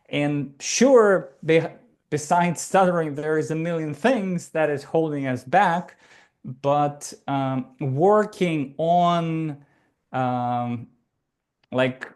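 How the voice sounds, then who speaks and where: A man who is a stuttering coach, answering reflectively with occasional light stutters and fillers. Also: mid-range voice. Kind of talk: conversational interview.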